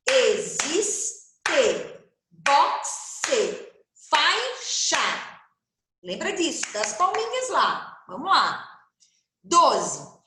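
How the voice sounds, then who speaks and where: A Brazilian woman teaches a recorded lesson to young children, stretching and stressing every syllable. Her voice is high and bright, and it bounces in a roomy, echoing space. She takes her time over each word. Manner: slow, sing-song, stresses each syllable. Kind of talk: recorded online lesson for first graders. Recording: roomy echo.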